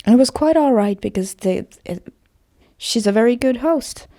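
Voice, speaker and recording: A woman talking in a casual personal vlog style, with a creaky voice and a hesitant, self-conscious, rambling manner. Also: on the high side, lively intonation, normal speed, warm tone. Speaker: voice actor vlogger.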